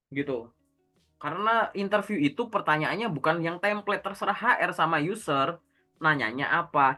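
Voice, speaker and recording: Bright-voiced man coaching in casual talk. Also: high-pitched. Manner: asks rhetorical questions and answers them himself; direct, instructive, uses everyday slang. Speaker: career coach.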